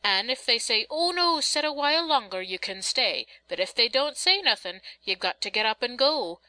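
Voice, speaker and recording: A woman's voice: on the high side, lively intonation, moderate pace, bright, forceful tone, dry recording, voice pushed up, low-quality recording. A woman voicing a bossy, sarcastic but loving working-class mother who scolds and instructs in folksy rustic dialect, as in a storybook reading.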